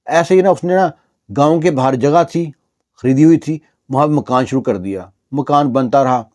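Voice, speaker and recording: A man's voice: medium pitch, a little mellow. A man narrating a village story in a conversational way, with repeated fillers and restarts.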